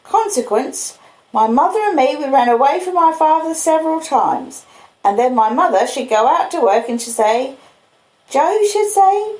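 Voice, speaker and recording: A woman's voice: sits high, lively intonation, moderate pace, darkish tone, echoey room, pitched above the performer's own voice, rough recording. A woman voicing a simple, kindly male blacksmith who tells things in an earnest, meandering way with rustic dialect. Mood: earnest, reflective.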